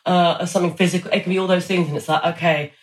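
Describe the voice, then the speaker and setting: Fast-talking man in an echoey room. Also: high-pitched, steady tone. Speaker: actor, interview guest. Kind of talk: casual chat, anecdotes. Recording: roomy echo, background noise.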